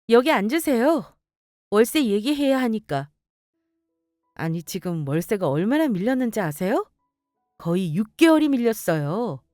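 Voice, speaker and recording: A woman's voice: a little high, darkish tone, no echo, clean studio sound. A young adult woman narrating a first-person story and scolding sharply.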